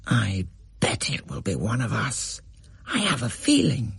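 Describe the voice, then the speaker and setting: A man voicing a quick-witted teenage schoolgirl who mutters slyly and covers up with innocent answers. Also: mid-range voice, big pitch swings, vocal fry, a bit bright, slightly rough, no echo, clean studio sound, exaggerated voice. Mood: muttering. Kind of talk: storybook reading, radio thriller.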